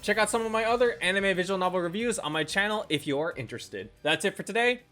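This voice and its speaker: An animated reviewer narrates a scripted video with lively swings in pitch and a tongue-in-cheek tone. The voice sits at a medium pitch, with music playing faintly underneath. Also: fast talker. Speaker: video game reviewer, channel host. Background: faint background music.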